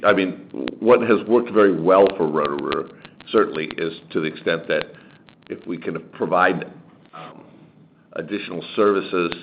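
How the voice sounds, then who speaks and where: A male executive gives an unscripted answer on an earnings call. His voice is low and his delivery halting, circling back and restarting. The sound is dull and muffled, with faint noise. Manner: halting, rambling, backtracks and restarts often. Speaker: company executive.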